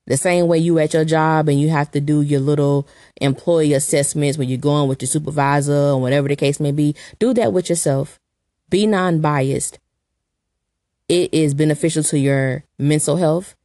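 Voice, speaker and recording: A woman with a naturally raspy voice, made extra rough and deep by an oncoming cold, hosts her solo podcast. She speaks in a very low register and sounds earnest and prayerful as she encourages her listeners. The recording is dry and close. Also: dark tone, no echo. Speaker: podcast host. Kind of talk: motivational solo podcast talk.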